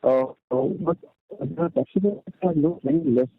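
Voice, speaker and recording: A man asking questions on a conference call, halting and hesitant, his voice muffled and breaking up as if heard through a wall. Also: a little high, no room sound. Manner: halting, with many fillers. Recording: muffled tinny phone line.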